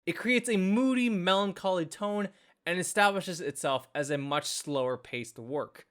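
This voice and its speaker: High-voiced man narrating a review. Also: unhurried, a bit bright, smooth. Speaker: anime and visual novel reviewer. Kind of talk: scripted video review narration. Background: background music.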